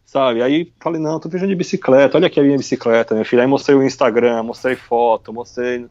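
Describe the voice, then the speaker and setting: A man with a Brazilian Portuguese accent, a guest on a podcast, casually telling a story from his bicycle travels, animated and full of slang fillers. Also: medium pitch, fast talker, highs cut off.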